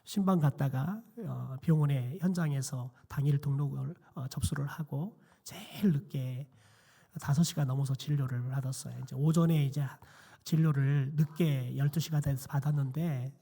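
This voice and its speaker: A middle-aged man, a pastor, preaching a quiet sermon in a church with a hoarse, nearly lost voice and many hesitant fillers. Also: mid-range voice, normal speed. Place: church sanctuary.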